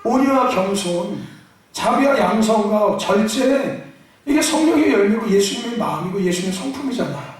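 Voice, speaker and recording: A male pastor delivers a fiery sermon, his high, lively voice swinging up and down as he shouts calls to the congregation and drops into joking asides. He sounds far from the microphone, and his voice rings around a large, echoey church sanctuary. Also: moderate pace. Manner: shouting, call-and-response, jokey asides.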